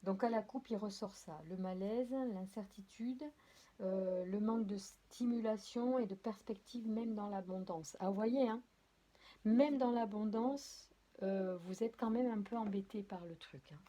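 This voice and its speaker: Talking directly to her viewers, a woman does a casual tarot reading, sounding hesitant and filling it with fillers, restarts and apologies. She reads tarot and oracle cards, speaking in a mellow, medium-pitched voice with fairly even intonation at normal speed.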